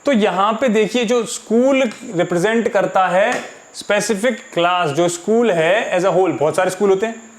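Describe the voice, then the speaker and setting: A man teaching English grammar for exam prep, reading example sentences out slowly, word by word. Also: high-pitched. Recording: echoey room.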